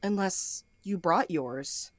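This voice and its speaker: A woman's voice: fairly low pitch, lively intonation, takes it slowly, dry recording. A woman acting in an audio drama as a brash, impatient and snarky amateur sleuth with a blunt manner. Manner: blunt, foul-mouthed, bossy.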